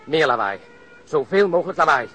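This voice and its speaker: A man's voice: a little high, animated, a little fast, fairly bright tone. Commanding senior policeman, faint noise. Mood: tense. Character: commanding senior policeman planning a rooftop operation. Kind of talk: Dutch radio drama dialogue.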